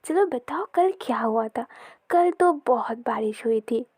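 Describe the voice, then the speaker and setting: A woman voicing an excitable gossipy roommate. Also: on the high side, a little slow, slightly rough, no room sound, studio quality. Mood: eager. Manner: eager, gossipy.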